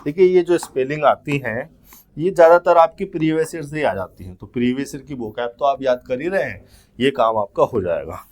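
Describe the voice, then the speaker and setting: Speaking in an animated, slightly mellow medium-pitched voice, a man leads an exam-prep English grammar lesson. He walks through each step and reads the English questions slowly.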